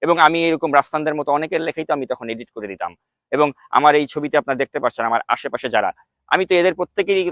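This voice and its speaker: Recorded dry and close with no echo against a silent background, a man speaks with a fairly high pitch on a very clean recording. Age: young. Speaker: political commentator. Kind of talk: monologue commentary.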